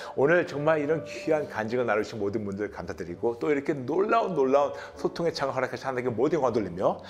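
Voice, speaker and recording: Over music in the background, a man talks at a very fast pace in an animated tone with lively intonation. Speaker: pastor. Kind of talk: Q&A teaching talk to online viewers.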